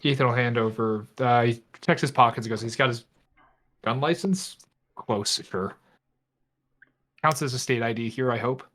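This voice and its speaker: A man's voice: medium pitch, steady tone, moderate pace, fairly bright tone. A man playing a tabletop role-playing game, chatting casually and describing his character's moves.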